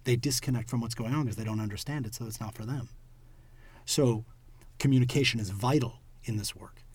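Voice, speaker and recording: Husky man explaining thoughtfully. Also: medium pitch, a little fast, no room sound. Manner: thoughtful, explanatory, trailing off quietly at ends of phrases. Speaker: podcast co-host and clown performer. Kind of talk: reflective casual conversation.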